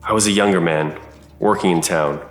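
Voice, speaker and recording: An actor playing an old, lonely country reverend in an audio drama, solemn and hospitable, with measured, formal phrasing. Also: male voice, sits low, close to an everyday voice. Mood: grave, regretful. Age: older. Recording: roomy echo under music.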